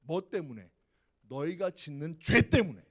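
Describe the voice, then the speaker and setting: A man preaching an evening sermon to teenagers at a youth camp, emphatic and scolding, shouting one moment and dropping to a hush the next. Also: fairly high pitch, big pitch swings, unhurried. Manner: emphatic, swings between shouting and hushed scolding; talks down to listeners in casual speech.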